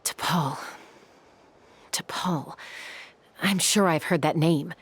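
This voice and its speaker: A woman's voice: low voice, drawn-out words, slight background noise. A woman playing a resolute, cool young tribal peacekeeper in an anime game, blunt and determined. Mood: thoughtful. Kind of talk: anime game dub acting. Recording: music under the voice.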